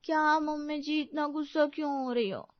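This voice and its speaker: This is a careless young bride, voiced by a woman in a cartoon story. She answers innocently with a whiny edge in a high voice. The sound is dry and a little dull. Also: steady tone, normal speed, no room sound, natural voice. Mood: naive. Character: careless, naive young daughter-in-law. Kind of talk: Hindi cartoon story voice acting.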